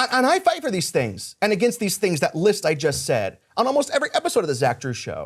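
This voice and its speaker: A man with an American accent, an animated tone, a very fast pace and hardly any pauses. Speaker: political commentary show host. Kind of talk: political commentary monologue.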